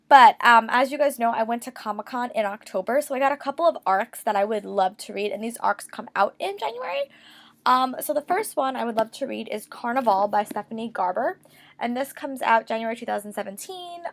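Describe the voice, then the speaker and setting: Talking to the camera in a relaxed, cheerful way, a young woman who vlogs about books runs through what she plans to read, with plenty of fillers. A slight cold leaves her stuffy-sounding. Her voice is on the high side and creaky.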